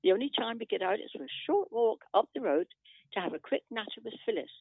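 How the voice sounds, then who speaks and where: A woman acts an older British wife in a radio play, gossiping and nagging her husband. Her voice is creaky and very lively in pitch. It comes down a tinny, muffled phone line. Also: fast, dry recording. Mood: nostalgic. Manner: rambling, gossipy, tag questions. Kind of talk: radio drama monologue.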